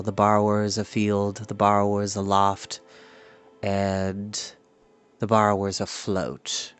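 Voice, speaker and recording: Animated storytime man over background music. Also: on the low side. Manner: theatrical, animated, exuberant. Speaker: storytime host reading books aloud. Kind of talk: chatty personal introduction to a storytime show. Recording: music behind the voice. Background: background ambience music.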